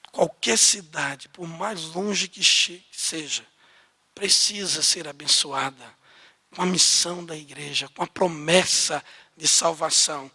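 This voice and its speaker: Bright, forceful preaching man. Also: on the high side. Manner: acts out quoted dialogue, rising to emphatic exhortation. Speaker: pastor. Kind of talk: storytelling sermon.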